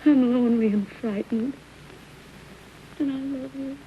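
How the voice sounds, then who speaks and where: A woman's voice: high voice, fairly even intonation, unhurried, noisy background. A tender lovesick young woman. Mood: tender longing. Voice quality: soft, tender, wistful. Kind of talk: 1930s film acting. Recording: muffled old film soundtrack with faint music.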